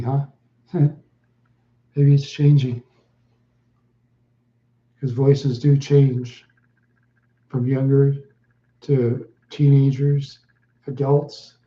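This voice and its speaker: A man chatting slowly with viewers on a live stream, answering in short, halting phrases and often repeating himself. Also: medium pitch, dark tone, echoey room, dull audio. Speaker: livestreamer.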